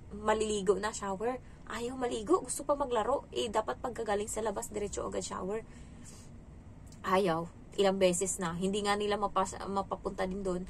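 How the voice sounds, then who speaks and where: A woman's voice: on the high side, a little hiss or hum. A young Filipino woman, a domestic helper, chatting casually in a vlog and acting out quoted lines with a raised voice. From Philippines.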